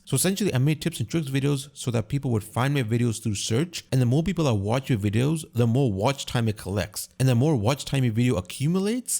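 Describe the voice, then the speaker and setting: A man in his twenties, a gaming YouTuber, reading viewer questions and answering them in a steady scripted voice-over. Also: mid-range voice, vocal fry. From Dubai and Canada. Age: 20s.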